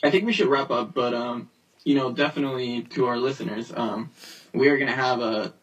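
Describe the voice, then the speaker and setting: A man's voice: mid-range voice, fairly quick, breathy edge, distant mic, poor audio. A man co-hosting a casual podcast chat, hesitant with many fillers, his call voice replayed through a speaker and picked up by a phone held up to it. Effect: remote call voice replayed through a speaker and picked up by a phone. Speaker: podcast co-host.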